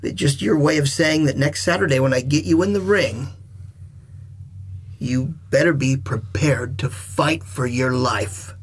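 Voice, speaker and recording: Husky middle-aged man telling wrestling stories. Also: on the high side. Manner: animated storyteller, swings loud and soft. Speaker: veteran wrestler guest. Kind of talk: casual podcast chat.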